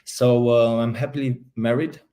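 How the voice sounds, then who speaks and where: A man's voice: mid-range voice, steady tone, normal speed, warm tone. A man in his thirties with a Romanian accent, a guest actor on a video call, polite and a little nervous, hesitating with fillers. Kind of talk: interview over video call.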